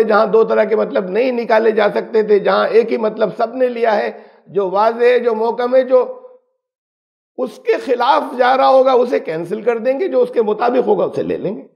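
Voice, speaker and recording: A man's voice: very high-pitched, gravelly, highs cut off. A man giving an emphatic, explanatory religious lesson on scripture. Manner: explanatory, emphatic, uses everyday examples. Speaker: Quran teacher.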